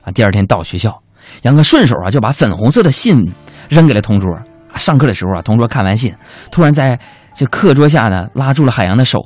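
A man's voice: medium pitch, big pitch swings, fast talker, a little mellow, soft background music. A man hosting a comic radio talk show, reading listener messages in a playful, self-mocking storytelling way.

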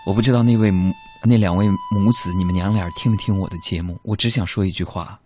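A man's voice: low-pitched, steady tone, fast talker, darkish tone. A man hosting a show, telling comic stories about his family in a chatty, joking, mock-grumbling way. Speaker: comedy show host. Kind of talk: comic storytelling monologue.

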